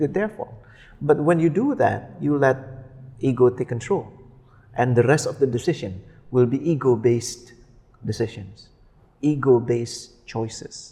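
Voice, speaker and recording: A man with an Indonesian accent, a dark, mellow, somewhat breathy tone, a moderate pace, ordinary pitch variation and long, frequent pauses. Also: medium pitch for a man. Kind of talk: podcast conversation.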